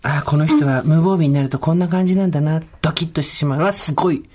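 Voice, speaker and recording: A woman from Tokyo hosting a casual podcast chat, quick and jokey, often laughing as she talks. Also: low voice, mellow. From Tokyo, Japan. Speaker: podcast host.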